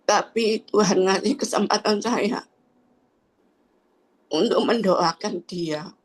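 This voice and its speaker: Woman sharing her church testimony, slow and halting, kinda husky, keeps trailing off with fillers. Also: medium pitch, low-quality recording. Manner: hesitant, trailing phrases with frequent tag fillers. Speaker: church member giving testimony. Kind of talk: personal faith testimony.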